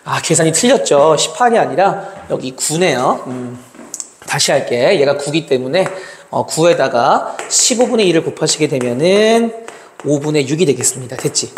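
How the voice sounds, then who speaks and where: Guy tutoring math in an echoey room, kinda high voice, keeps asking "got it?". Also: big pitch swings, moderate pace. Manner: talks through calculations aloud, checks in with students. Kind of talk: exam problem walkthrough lecture. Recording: roomy reverb, faint noise.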